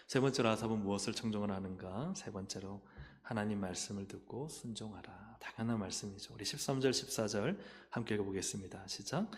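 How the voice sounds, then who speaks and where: A male pastor with a Gyeongsang accent preaching a lively sermon, calling for amens and acting out little dialogues. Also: lowish voice, fairly quick, few pauses, big-room sound. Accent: Gyeongsang Korean. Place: church sanctuary.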